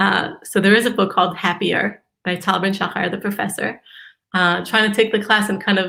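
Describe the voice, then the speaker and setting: Recorded very cleanly against a silent background, a woman at medium pitch speaks in a bright, sharp tone, flat and monotone, with vocal fry. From Israel. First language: Hebrew. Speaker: PhD researcher and mental health advocate. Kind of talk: interview. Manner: hesitant, many fillers.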